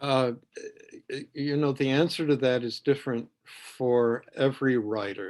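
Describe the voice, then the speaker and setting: A man's medium-pitched voice with an American accent, fairly even intonation, a fairly slow pace and long, frequent pauses. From US Midwest, Minneapolis area. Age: 60s. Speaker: novelist. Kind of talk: author interview. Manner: halting, with many fillers.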